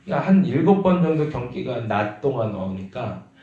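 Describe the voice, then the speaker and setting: A male pastor gives a dawn sermon in a roomy church, and his voice bounces around the hall. His pitch swings up and down as he tells the story, and he slips into the voices of the people in it. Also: big pitch swings, moderate pace, narrow, tinny audio. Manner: conversational storytelling, acting out quoted voices. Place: church sanctuary.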